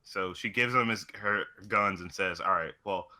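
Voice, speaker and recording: A man with a very bright, forceful voice on the low side, co-hosting a video game chat. He explains things informally, like retelling a story to a friend. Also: moderate pace. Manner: informal, loose storytelling with mild swearing. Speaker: podcast co-host. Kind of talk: casual chat about video games.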